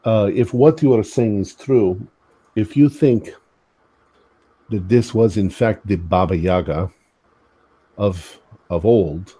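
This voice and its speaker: A man voicing a solemn village elder in a tabletop game, speaking in measured, deliberate sentences. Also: on the low side, mellow, slightly rough. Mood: grave.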